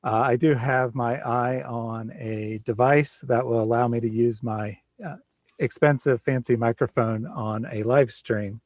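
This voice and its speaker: A man of forty hosts a casual livestream in an easy, chatty way and laughs now and then. His voice sits at an ordinary middle pitch. The sound is dry and close, with no room around it. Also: unhurried, no room sound. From Midwest United States. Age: 40s. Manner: relaxed, chatty, laughs often. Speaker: livestream host.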